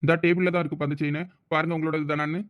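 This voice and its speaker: A man plays a by-the-book cartoon policeman with a high male voice. He fires out sceptical, official questions very rapidly in a Tamil accent. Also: little pitch movement, a bit bright, smooth, lightly acted. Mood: officious. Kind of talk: cartoon drama dialogue.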